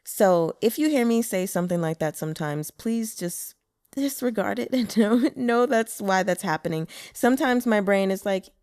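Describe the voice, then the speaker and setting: A woman's voice: mid-range voice, lively intonation, normal speed, a little mellow, dry recording, clean studio sound. A woman giving casual, chatty commentary as an audiobook narrator, explaining Mandarin terms. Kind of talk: casual commentary between chapters.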